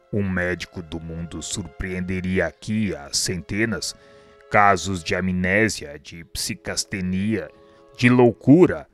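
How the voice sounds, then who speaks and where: An actor playing a grave, wise spirit mentor in a radio drama, speaking in a solemn, formal, teaching manner. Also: male voice, sits low, fairly bright tone. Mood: solemn, instructive.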